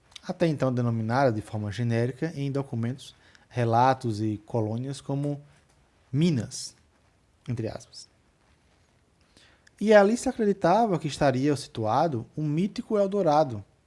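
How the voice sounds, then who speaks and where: A man's fairly high voice with a dark, mellow tone, lively intonation, a moderate pace, and long, frequent pauses. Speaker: audiobook narrator. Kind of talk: reading aloud; casual chat. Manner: stutter.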